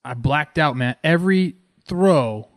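Man, 30s, from Southern California, former ballplayer, show host, excited casual storytelling, dry close sound. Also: unhurried, dry recording. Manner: excited, animated, talks with fillers like "man" and "boom".

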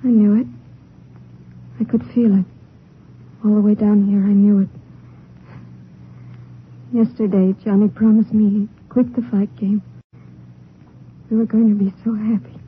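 A woman's voice: mid-range voice, level tone, measured pace, long pauses, close to an everyday voice. A woman playing an earnest, anxious, lovestruck young Mexican girl in a 1950s radio drama, pleading and emotional. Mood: grief-stricken. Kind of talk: 1950s American radio melodrama acting. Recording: tinny, noisy vintage radio recording.

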